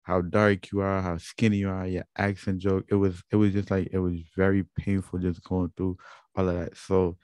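A young man with a Guyanese accent talks through his own story in an earnest, reflective way, often stopping on fillers. His voice sits very low and moves little in pitch. The sound is dry and close. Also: flat delivery, normal speed, a little mellow, clear, resonant tone, dry recording. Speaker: channel host. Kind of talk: personal testimony vlog.

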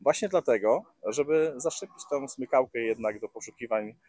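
A man's voice: medium pitch, normal speed, a little mellow, no echo. A man in his forties, organizer of a metal-detecting rally, answering interview questions outdoors on a lapel mic, hesitant with many filler sounds and restarts. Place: garden outdoors in summer.

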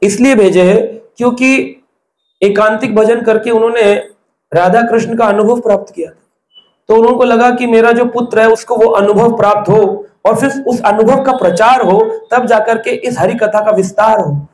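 A man's voice: high voice, fairly even intonation, normal speed, darkish tone, reverberant. A man giving a devotional discourse, telling stories and asking the listeners rhetorical questions. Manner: storytelling, asks rhetorical questions. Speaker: preacher.

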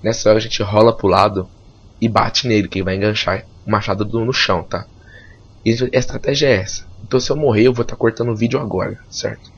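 A man's voice: on the low side, fairly even intonation, quick pace, slightly rough, muffled recording. A Brazilian man giving casual gameplay commentary in a strained voice, as if his tonsils are swollen and his throat inflamed. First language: Portuguese. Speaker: gamer narrating a let's play.

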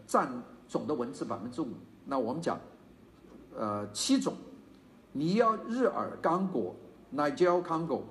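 An older man with a Chaozhou-tinged Mandarin accent giving a university lecture, animated and digressive, with many fillers and asides. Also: fairly high pitch, a little hiss or hum. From China.

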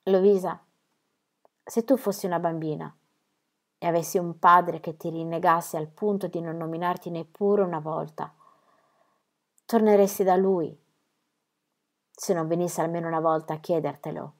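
A stubborn, fiery young girl, as a woman reader puts her on, her voice lifted higher than the narration and turning sharp in questions. She speaks from a storybook reading, quick and pleading. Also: expressive, close to an everyday voice. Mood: calm, tearful.

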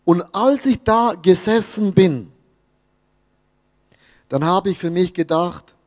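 A man's voice: sits high, takes it slowly, in a large hall. A man with a Swiss German accent preaching a sermon, telling a story with jokes and asides to his audience. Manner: storytelling, jokey, talks to the audience. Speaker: pastor.

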